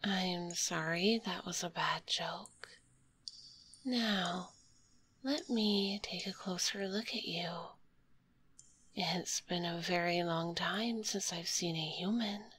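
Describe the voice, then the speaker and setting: A kind, cuddly spider girl acted out by a woman whispers very slowly in an ASMR roleplay. Her voice is breathy and fairly low, with a soothing, curious, politely formal manner, right up close on a binaural mic. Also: full character voice. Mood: gently amused. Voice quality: breathy, hushed. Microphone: close binaural microphone.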